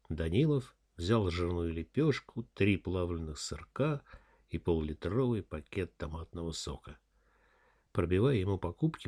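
A man reading an audiobook in a steady, matter-of-fact narration. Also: sits low. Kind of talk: scripted narration.

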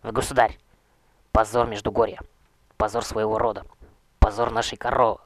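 A man with a gravelly voice voicing a zealous, self-righteous young male knight, shouting accusations in an audiobook. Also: on the low side, flat delivery, normal speed, no room sound, natural voice. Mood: indignant shouting. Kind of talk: audiobook character voice.

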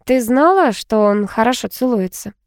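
A woman's voice: fairly high pitch, expressive, moderate pace, dry recording, pitched above the performer's own voice. A woman voicing a moody, popular young woman student who snaps curtly, in a dry recording. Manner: sharp, curt.

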